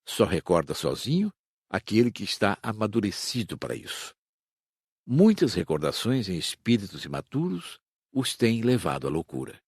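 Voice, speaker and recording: Audiobook man as didactic teacher, husky voice with lively melody, measured phrasing, close dry recording. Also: fairly low pitch, dry recording, heavily acted. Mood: instructive, measured. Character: male spirit teacher explaining reincarnation calmly. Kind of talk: scripted audiobook narration.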